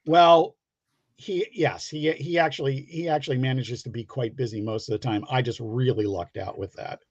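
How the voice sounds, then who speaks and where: A middle-aged man from the Pittsburgh area in the United States, chatting casually as a guest and telling rambling, halting anecdotes. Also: medium pitch, steady tone, husky. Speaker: guest comic book creator. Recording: dull lo-fi, roomy call audio.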